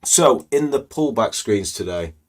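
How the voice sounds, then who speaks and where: A man hosts a live stream, commenting on stock screens in a rambling, conversational way full of fillers. His voice is croaky and a little hoarse today. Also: lowish voice, expressive, measured pace. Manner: conversational, rambling, many "you know" fillers. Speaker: trading educator hosting live stream.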